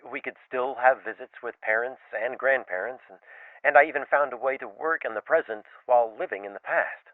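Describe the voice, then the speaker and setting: A man's voice: medium pitch, fairly quick, dry recording, narrow, tinny audio, lightly acted. A man playing a stammering, flustered husband. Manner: stammering and hesitant. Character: flustered husband and writer telling his tale. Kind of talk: audio drama narration and dialogue.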